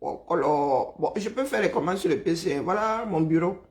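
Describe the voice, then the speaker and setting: Speaking at a fairly low pitch with lively intonation, a woman with a Cameroonian French accent addresses her stream in a hoarse, exhausted voice. She jokes around, welcomes viewers one after another, and drifts into hums and drawn-out sighs between lines.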